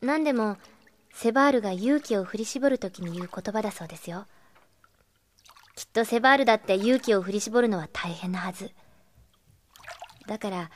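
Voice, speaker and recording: A woman playing a rough, excitable young warrior in a radio drama, blunt and easily flustered. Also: fairly high pitch, lightly acted. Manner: blunt, excitable, stammering when cornered. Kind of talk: Japanese radio drama acting.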